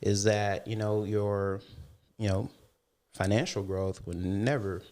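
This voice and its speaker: Podcast guest, young man from Alabama, lowish voice, thoughtful, talks around his point with fillers. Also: fairly even intonation, slow pace, mellow. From Alabama, USA. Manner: reflective, many fillers and restarts. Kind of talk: casual conversation.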